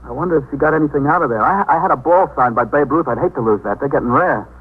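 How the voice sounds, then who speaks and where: An actor playing an earnest young sailor who stammers and hesitates, with a husky voice, in 1950s radio drama style. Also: male voice, fairly high pitch, fast talker. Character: anxious young male sailor, eager and earnest. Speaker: sailor looking for his family. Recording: tinny 1950s radio recording.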